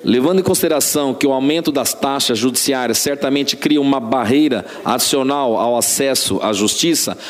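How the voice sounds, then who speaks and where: A man's voice: mid-range voice, brisk, hardly any pauses. A man, a city councillor, reading out a formal motion in legal language. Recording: reverberant council chamber.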